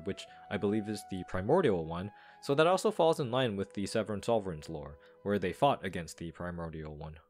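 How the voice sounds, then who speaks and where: A man giving a casual, explanatory scripted review and lore analysis of a video game story. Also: on the low side. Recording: background music.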